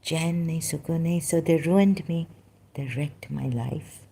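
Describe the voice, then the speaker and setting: Resting at home, this vlogger talks about her own life in a low, slow, halting way, softly wandering between ideas. She is a native Khoja Sindhi speaker with a gravelly voice, a breathy edge, and a steady tone.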